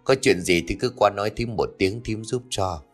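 A man voicing a kind, motherly older village woman who gently comforts and coaxes. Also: fairly low pitch, moderate pace, soft background music, close to an everyday voice. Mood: caring. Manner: gentle, soothing, coaxing.

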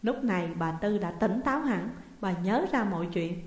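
A woman storyteller giving a steady, dramatic narration of a spooky tale, in a roomy recording with long reverb. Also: mid-range voice, moderate pace.

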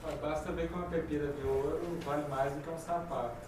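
A man in the audience interjects during a lecture, speaking fast and a little high. He is far from the mic, in a strongly echoing room with loud noise over him. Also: steady tone. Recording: distant, echoey, very noisy.

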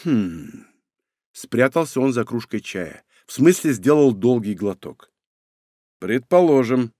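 A man's voice: mid-range voice, expressive, moderate pace, darkish tone, no echo. Man narrating in a dry, close voice. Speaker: audiobook narrator. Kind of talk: scripted narration.

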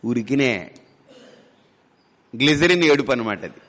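A man's voice: mid-range voice, sing-song, unhurried, a bit bright. A man as spiritual teacher giving a discourse, conversational, with rhetorical questions and humorous asides. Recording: long hall reverb.

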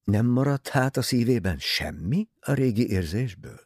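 A man gives voice to a shrewd older detective in an audiobook, low and hushed, measured and musing. The tone is husky with some gravel. The sound is dry and close. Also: lively intonation, no echo. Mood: calm.

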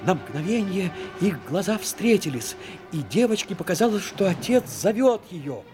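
Guy narrating an audio drama, kinda high voice, loud music under him. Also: expressive, moderate pace. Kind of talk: dramatic scripted literary narration.

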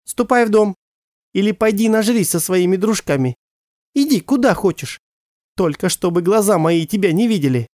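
Мужчина изображает нежную, вспыльчивую молодую мать. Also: male voice, big pitch swings, normal speed, no room sound, studio quality. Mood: angry. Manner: soft cooing turning to shrill outbursts. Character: young mother, tender, protective, explosive when angry.

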